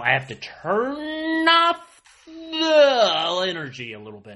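A man's quiet mumbling. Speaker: stand-up comedian and podcast host. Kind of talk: casual comedic monologue. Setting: home recording, solo. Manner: alternates between mumbly quiet and loud; loud.

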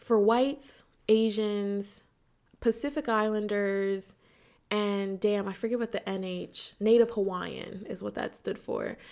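Here a woman with an American accent and an ordinary speaking voice talks at a fairly slow pace, medium in pitch, with fairly even intonation on a very clean recording with a silent background. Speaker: podcast co-host. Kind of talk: casual podcast conversation. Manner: conversational, laughs often.

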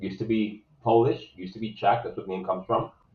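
A man is speaking. He has a Chicago accent. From US Midwest, Chicago. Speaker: real estate agent and army veteran. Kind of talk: casual interview. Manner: halting, many fillers and repetitions.

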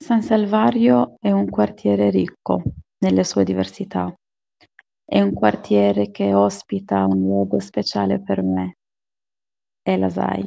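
Speaking at a very slow pace with a non-native accent, a woman keeps her loudness very even and leaves long, frequent pauses. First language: not Italian (speaking Italian). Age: young. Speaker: human rights activist. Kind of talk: radio interview monologue.

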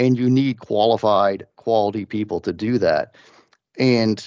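Here is a man with an ordinary speaking voice and a fairly low pitch. His intonation stays fairly even. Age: 50s. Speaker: refrigeration engineer and trainer. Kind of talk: podcast interview.

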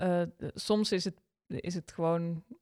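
On a very clean recording with a silent background and a dry, close sound with no echo, a woman speaks at a fairly low pitch in a dark, mellow tone. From Netherlands, Noord-Brabant (Roosendaal). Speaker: paraglider and IT project manager. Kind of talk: interview.

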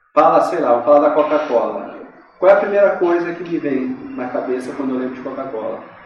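A man with a fairly high pitch talks at a fairly quick pace with ordinary pitch variation and big swings in loudness. Noticeable background noise and audible room echo fill the recording. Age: 30s. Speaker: marketing executive. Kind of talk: interview.

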